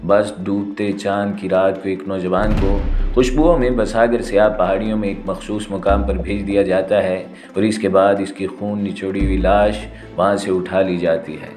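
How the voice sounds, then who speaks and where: A man's voice: low voice, steady tone, hardly any pauses, darkish tone, soft background music, natural voice. A man voicing a grave, sorrowful tribal chief in an audio story, speaking in a solemn, weary way.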